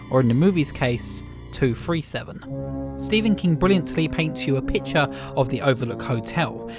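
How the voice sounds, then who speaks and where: A slightly hoarse man narrating a scripted video essay as its host, in an earnest, enthusiastic way. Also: fairly high pitch. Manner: earnest, enthusiastic reflective delivery. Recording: music playing under the voice.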